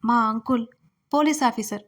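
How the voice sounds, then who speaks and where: A woman's voice: a little high, moderate pace, lightly acted. A woman voicing a serious, protective young woman who speaks sternly in an audio story.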